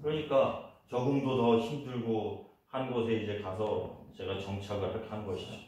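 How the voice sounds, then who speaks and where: A man's voice: fairly low pitch, steady tone, normal speed, darkish tone. A man preaching a sermon as a pastor, telling a personal story and leading the congregation in repetition. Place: church. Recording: echoey church hall, voice from a distance.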